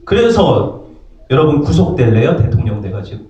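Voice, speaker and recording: A man's voice: mid-range voice, moderate pace, dull audio. A man preaching a sermon as pastor, asking his congregation questions and acting out the voices in the stories he tells. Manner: lively preaching, acts out voices in quotes, asks the congregation "그죠?". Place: church sanctuary. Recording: echoey church hall, mic at a distance.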